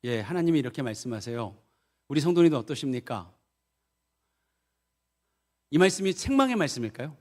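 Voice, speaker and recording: A middle-aged man preaching a sermon as pastor, asking the congregation questions and acting out the prayers he quotes in a low, soft voice. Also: very animated, a little fast, pauses often. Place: church sanctuary. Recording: long church reverb.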